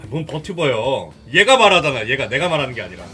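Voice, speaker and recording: A man's voice: medium pitch, very animated, fast, sharp tone, faint music behind. A man live-streaming, chatting casually about a game in a teasing, joking manner with crude slang. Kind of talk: casual chat while showing a game.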